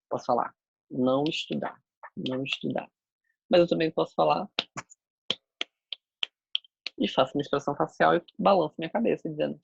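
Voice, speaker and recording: A man with a gravelly, slightly husky voice teaches a class. He explains step by step as he shows each sign, and the recording is dull and a bit lo-fi with a dry sound. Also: mid-range voice, no room sound. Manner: explains step by step while demonstrating signs.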